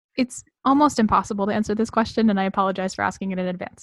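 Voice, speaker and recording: A woman talks at a very fast pace and medium pitch. Her voice is somewhat breathy, with a dry, close sound with no echo. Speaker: podcast host. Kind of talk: casual interview. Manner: animated.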